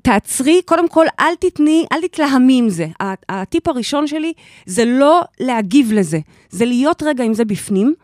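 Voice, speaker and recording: A woman's voice: sits high, expressive, a little mellow, no echo, clean studio sound. A woman hosting a podcast chat, guiding a guest with emphatic step-by-step explanations. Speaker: host and life coach. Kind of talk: guidance in a casual podcast chat.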